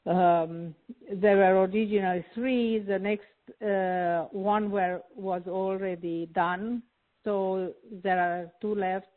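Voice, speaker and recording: A woman from Romania speaks in a slow, unhurried way, pausing often with fillers as she explains her work as a healer. Her voice comes through a thin, tinny line that sounds like a phone call. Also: mid-range voice, steady tone. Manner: slow, hesitant, frequent filler pauses. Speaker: healer and guest. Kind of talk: interview conversation.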